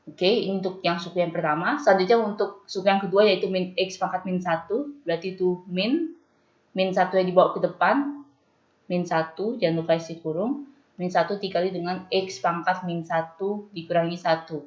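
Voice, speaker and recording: Young female math tutor, patient step-by-step explainer, low-ish voice, echoey lo-fi room sound. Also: a little mellow. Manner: patient, slows down when reading formulas. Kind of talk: explaining a calculus problem step by step.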